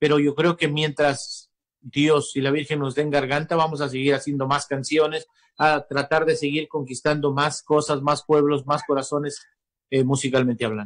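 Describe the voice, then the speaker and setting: Speaking at a moderate pace and fairly high pitch, a man keeps a monotone, flat intonation against a quiet background. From Ecuador, Loja; Ecuador. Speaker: singer-songwriter; interviewee. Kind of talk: interview. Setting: at home, remote. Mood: reflective, warm, grateful. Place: home room. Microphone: video call.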